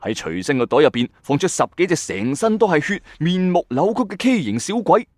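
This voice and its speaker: A man with a Hong Kong Cantonese accent hosts a ghost story audio channel, telling a dramatic, suspenseful late-night tale in colloquial style and breaking in with exclamations. His voice is a little high, sing-song, slightly fast and somewhat mellow. The recording is dry and clean, studio-quality, with background music underneath.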